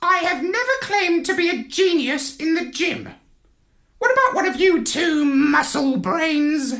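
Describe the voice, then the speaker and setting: A man's voice: very high voice, animated, a little slow, sharp tone, pitched above the performer's own voice, heavily acted. A man voicing a bossy, brainy male parrot who talks down to others in a storybook reading. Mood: haughty. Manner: lofty, superior.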